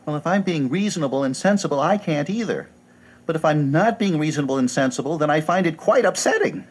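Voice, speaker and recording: A man's voice: on the high side, animated, fast talker. An actor playing a fussy, formal young man who speaks in precise, fretful sentences about being hurt in love.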